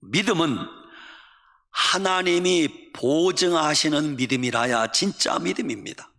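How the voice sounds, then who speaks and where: A male pastor preaching a sermon in a church sanctuary, emphatic, with sing-song rises at his high points. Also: a little slow, pushed and bright. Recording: long church hall reverb.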